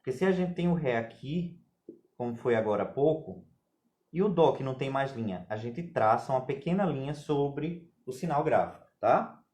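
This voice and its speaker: A man's voice: mid-range voice, animated, normal speed, a little mellow. Male music teacher, live stream lesson, patient and step by step, quizzes the chat. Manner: patient, explains step by step, asks viewers questions.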